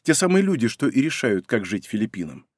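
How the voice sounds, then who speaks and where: A man's voice: mid-range voice, sing-song, fairly quick, no echo, studio quality. A man narrating a first-person audiobook in a wry, conversational storytelling manner.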